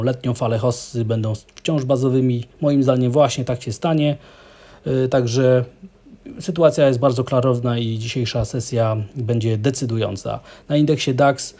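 Man, market analyst, mellow warm tone, measured delivery, frequent hesitant pauses. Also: mid-range voice. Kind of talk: market commentary over charts.

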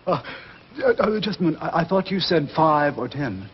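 An actor playing a smooth, scheming fake Hollywood actor who talks in a glib, theatrical, hammy way. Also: male voice, a little high, very animated, moderate pace. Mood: sly. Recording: dull 1960s TV audio with laugh track and hiss.

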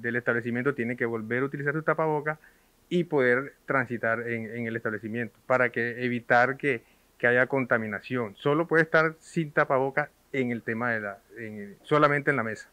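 A man's voice: medium pitch, sharp tone, dry recording. A young man interviewed for the news, listing measures with many fillers. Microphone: handheld reporter mic.

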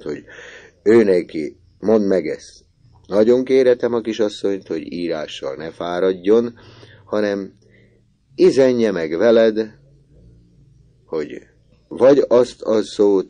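A man voicing a gruff, bossy older gentleman who scolds and threatens in an audiobook. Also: low-pitched, no room sound, voice pushed up, close to an everyday voice. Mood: insistent. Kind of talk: audiobook character voice.

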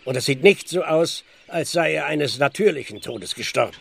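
An actor playing a weary, plain-spoken older village constable in a radio play, grumbling in a gravelly voice. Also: male voice, on the high side, animated, normal speed, slight background noise. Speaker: actor in audio drama. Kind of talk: German radio play acting.

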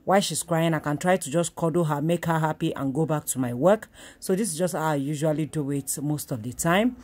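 A deep, slightly mellow, brisk female voice belongs to a Nigerian-accented mother in her thirties vlogging from her small home kitchen. She chats to a camera on a tripod, repeating herself and playfully praising herself, in a noisy home recording.

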